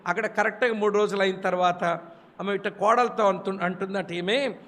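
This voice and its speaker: High-voiced preacher in a reverberant hall. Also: male voice, fairly quick. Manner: animated storyteller, acts out quoted voices, addresses listeners directly. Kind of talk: Telugu sermon storytelling.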